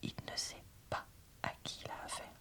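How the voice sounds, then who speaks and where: A woman hosting a video whispers quietly through an ASMR-style book review and reading. She's a book reviewer whose delivery is relaxed, slow and informal.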